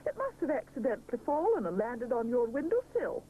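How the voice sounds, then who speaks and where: Jolly fussy chef guy in a storybook, woman putting him on, high bouncy voice, hissy tape. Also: big pitch swings, a little fast, phone-quality sound. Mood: delighted. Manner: jolly, formal, delighted. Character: cheery pompous adult male cake chef.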